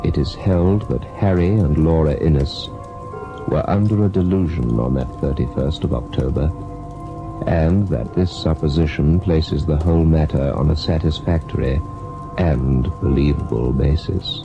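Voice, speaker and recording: A man's voice: extremely low pitch, unhurried, over music. A man playing a grave, formal storyteller who introduces ghost tales on old-time radio. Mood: grave, ominous. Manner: solemn, formal. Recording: dull old radio recording.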